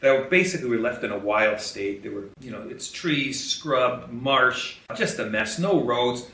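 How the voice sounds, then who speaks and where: A man's voice: medium pitch, a little slow, pushed and bright. A man hosting a history podcast, talking in a conversational, colloquial and emphatic way as he gives a commentary. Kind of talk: animated commentary with newspaper headlines read aloud. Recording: echoey room, distant from the mic.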